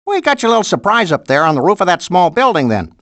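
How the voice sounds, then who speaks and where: A chipper, busy cartoon animal mother with a folksy Upper Midwestern accent. The pitch bounces around in a very dry, close recording, in video game style. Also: very animated, fast talker, dry recording. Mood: chipper, helpful. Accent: Upper Midwestern American.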